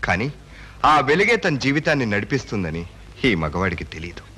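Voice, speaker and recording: A man's voice: on the low side, big pitch swings, a little fast, bright, forceful tone, slightly rough, full character voice. An actor playing a polite, earnest young man who speaks respectfully in a film scene. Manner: polite, earnest speeches, addresses others as sir. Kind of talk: film dialogue.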